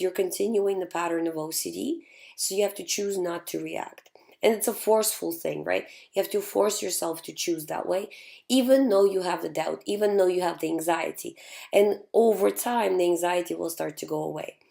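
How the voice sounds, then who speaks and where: A woman hosting a live show and answering viewer questions in a calm, reassuring way, her voice still hoarse from having lost it. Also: lowish voice. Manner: calm, reassuring, repeats key points. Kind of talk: casual advice talk.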